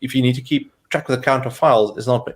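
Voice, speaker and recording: A man's voice: mid-range voice, steady tone, fast talker. A man co-hosting a live cloud question-and-answer stream in casual chat, talking with lots of fillers. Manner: chatty, frequent fillers.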